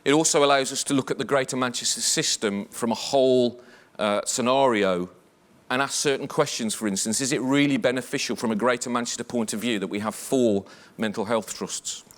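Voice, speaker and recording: A man with a Black Country accent delivers a measured, formal briefing from the podium. His pitch sits mid-range, and he speaks as a senior police officer addressing a conference audience. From English West Midlands. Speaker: police chief superintendent. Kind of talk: conference presentation.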